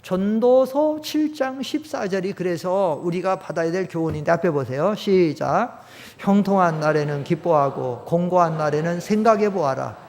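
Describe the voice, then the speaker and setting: A man preaching in a very high, emphatic voice. He fires rhetorical questions and sometimes bursts into shouting. His words ring out with the long reverb of a church sanctuary. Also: expressive, normal speed. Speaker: pastor. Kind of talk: sermon.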